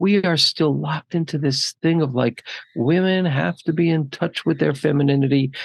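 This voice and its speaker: A man with an unremarkable speaking voice, fairly high pitch, ordinary pitch variation, very even loudness and a moderate pace. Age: 60s. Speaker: podcast guest, author on relationships. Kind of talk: interview.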